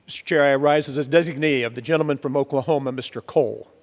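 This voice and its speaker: A man's voice: medium pitch, fast. A congressman delivering an earnest, insistent floor speech in a large legislative chamber, often quoting constituents.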